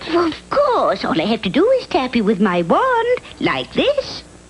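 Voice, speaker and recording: A high-pitched cartoonish character voice moves at a moderate pace, with clear background noise behind it. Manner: homespun, folksy.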